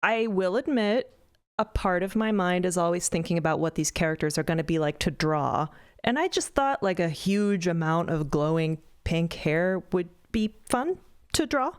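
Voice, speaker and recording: A woman's voice: lowish voice, expressive, moderate pace, clear, resonant tone. A woman talking about the characters she plays on a podcast roundtable, earnest and candid, with some hesitant restarts. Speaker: podcast co-creator and voice actor. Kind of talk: casual roundtable chat.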